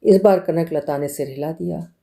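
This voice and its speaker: A woman narrating a literary audiobook in a measured, expressive storytelling manner. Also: low voice, creaky.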